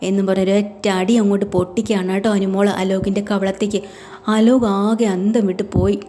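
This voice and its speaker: A woman's voice: medium pitch, little pitch movement, quick pace, dark tone. A woman narrating a TV serial recap in a chatty, casual storytelling way. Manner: chatty, tags lines with "you know".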